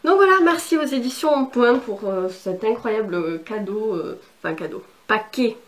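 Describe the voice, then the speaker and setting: A woman's voice: fairly high pitch, lively intonation, moderate pace. A woman book vlogger chatting casually and enthusiastically through an unboxing, with lots of fillers. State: has a cold.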